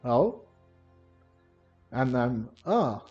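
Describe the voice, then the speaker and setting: Slow, halting man with a Hispanic accent. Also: mid-range voice, very animated, darkish tone. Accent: Hispanic Spanish. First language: Spanish. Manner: halting, repeats and rephrases himself, switches languages. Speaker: gameplay commentator. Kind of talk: casual game commentary explaining story dialogue. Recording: dull lo-fi mic over game music. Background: game music.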